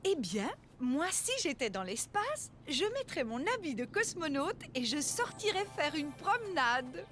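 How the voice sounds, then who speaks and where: A woman playing a gentle, imaginative young mother in a children's cartoon, playful and encouraging. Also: sits high, measured pace, hardly any pauses, heavily acted. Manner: animated, encouraging. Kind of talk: French-language children's cartoon voice acting. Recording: music behind the voice.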